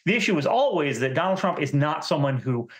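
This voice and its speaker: A man commentator explains his analysis quickly and fluently, in a mid-range voice. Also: on the high side, very animated. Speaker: political commentator.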